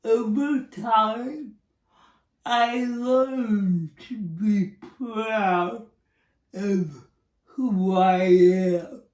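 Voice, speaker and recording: A woman in her forties with cerebral palsy, speaking slowly and deliberately as she gives a personal testimony. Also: mid-range voice, darkish tone, roomy sound, distant mic. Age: 40s. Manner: slow, deliberate speech with a cerebral palsy speech difference. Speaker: psychology professor and advocate.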